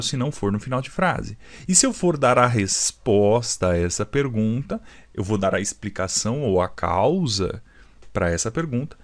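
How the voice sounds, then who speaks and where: A man with a Brazilian Portuguese accent teaching a video lesson, explaining rules step by step and asking the viewer questions. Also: fairly low pitch.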